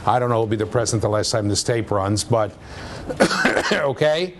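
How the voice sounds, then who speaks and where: Male professor, low voice, animated pitch, keeps asking "okay?", classroom tape with light noise. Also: normal speed. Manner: conversational, checks understanding with frequent "okay?". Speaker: university lecturer. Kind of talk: classroom lecture. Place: lecture room.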